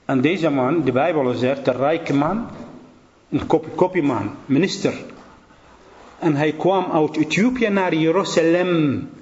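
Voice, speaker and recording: A man preaching a sermon with passion. He swings from low, earnest talk to high, ringing exclamations and uses simple phrasing with repeated short phrases. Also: a little slow, darkish tone. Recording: dull lo-fi recording with faint noise.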